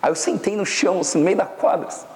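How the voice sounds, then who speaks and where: A man's voice: high-pitched, quick pace, a little mellow, long reverb tail. A young man from Brazil preaching at a youth camp, telling stories casually with slang. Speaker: pastor. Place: camp meeting hall.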